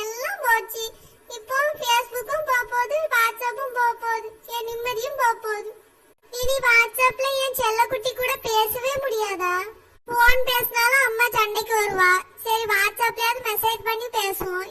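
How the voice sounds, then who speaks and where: A woman's voice: very high voice, bright, forceful tone. Woman voicing a sulky cartoon village girl. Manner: complaining, dramatic sulking. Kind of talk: cartoon voice acting.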